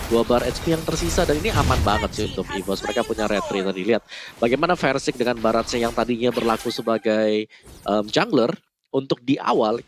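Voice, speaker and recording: A man's voice: medium pitch, background noise. A man with an Indonesian accent giving casual, emphatic analytical commentary on an esports match.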